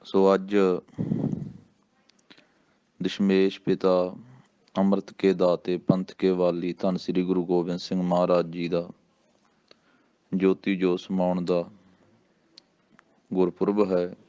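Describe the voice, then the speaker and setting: A man from Punjab with a Punjabi accent, teaching correct recitation of scripture and drawing out each recited word slowly and calmly. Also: deep voice, clear, resonant tone, no echo, highs cut off. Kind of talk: slow recitation with pronunciation instruction.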